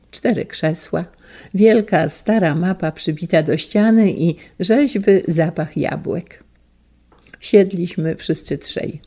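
A woman narrating a classic story in a calm, measured way. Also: fairly low pitch, creaky, slightly rough. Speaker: audiobook narrator.

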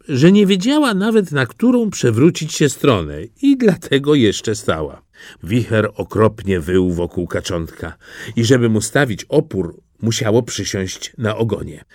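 A man reading a fairy tale audiobook in an expressive storytelling manner. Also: lowish voice, dry recording, clean studio sound. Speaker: narrator.

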